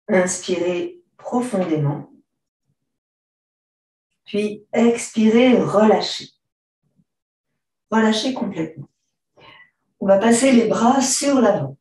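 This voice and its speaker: A woman teaching a yoga and stretching class, giving slow, calm instructions and often clearing her throat. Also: medium pitch. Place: large room during an online class. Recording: very echoey room, far from the mic.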